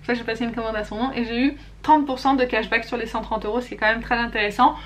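A woman's voice: on the high side, steady tone, fast, fairly bright tone, a little hiss or hum. Chatty woman reviewing beauty products. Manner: chatty and candid, with frequent fillers and self-corrections. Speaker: beauty vlogger. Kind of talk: casual monthly favorites and flops review.

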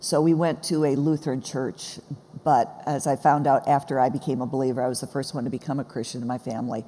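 A woman in her sixties, born in Sweden and raised in the US, with Swedish as her first language, talking in a seated interview on a church stage, warm and often laughing. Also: a bass voice, steady tone, fast talker. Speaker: guest, seminary professor. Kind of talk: conversational interview. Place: church stage, large hall. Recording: reverberant hall, faint noise.

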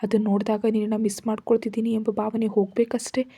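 A brooding, curt young man, as a woman storyteller reads him in an audio story, kept level and close to her own voice. The tone is dark and mellow with a husky breathiness, and the pitch barely moves. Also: level tone, fast talker, no echo. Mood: pleading.

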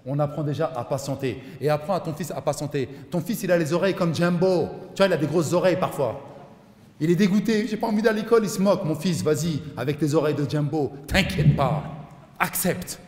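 A middle-aged man, an imam, giving an animated mosque lecture and mixing in street slang. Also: on the high side, a little fast. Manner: animated preaching, mixes in street slang, voices his son and inner voices. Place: mosque hall. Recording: echoey hall.

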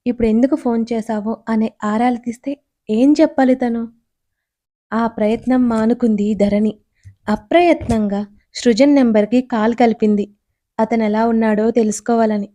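A woman storyteller reading a romantic audio story in a calm, even way. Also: fairly high pitch, normal speed. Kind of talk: scripted story narration.

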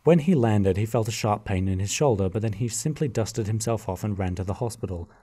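A man's voice: lowish voice, brisk, dark tone, slightly rough. A man narrating a fan radio play in a wry, jokey way.

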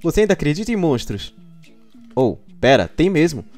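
A deep booming cartoon monster. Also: female voice, very animated, moderate pace, a little mellow, faint music behind. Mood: menacing.

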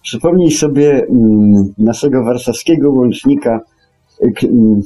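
A man co-hosts a conversational radio show. His voice is dark and mellow at an average male pitch. He makes his comments deliberately, with a sardonic edge. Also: faint music behind, low-quality recording.

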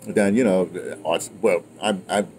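With a steady, unhurried, somewhat mellow voice on the low side, an American man in his 60s or 70s tells his own history as an interviewer and former radio dramatist. The storytelling is casual, emphatic and rambling, with many repeated words. He sits at a table on an outdoor patio against a noisy restaurant background.

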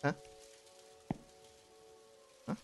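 A man giving casual livestream commentary as he plays a game, muttering short reactions. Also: extremely slow. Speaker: livestreamer playing a horror game. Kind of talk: casual gaming stream commentary. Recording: music behind the voice.

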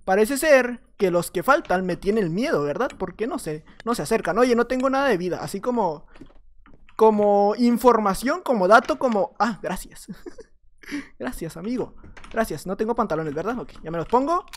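Playful Mexican man commentating gameplay. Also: normal speed. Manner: playful, jokey, swings between loud excited outbursts and low mumbling. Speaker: gaming YouTuber.

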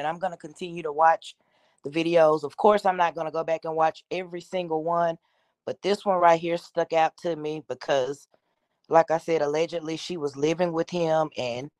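A woman's voice: low-pitched, darkish tone, no echo. A woman giving casual, opinionated commentary, talking directly to her online viewers in a conversational way. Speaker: YouTube commentator, host.

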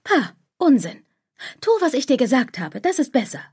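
A woman's voice: high voice, very animated, normal speed, darkish tone, slightly rough, pitched above the performer's own voice, full character voice. A woman voicing a clingy, anxious inner voice that nags and stirs up fear in an audiobook. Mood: scoffing. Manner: insistent, fearmongering, wheedling.

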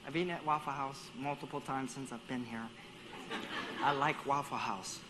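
A man's voice: medium pitch, steady tone, normal speed, background noise. A man preaching a sermon as a guest speaker at a church service. He talks animatedly, acts out dialogue in other voices and repeats words while he gathers his thoughts.

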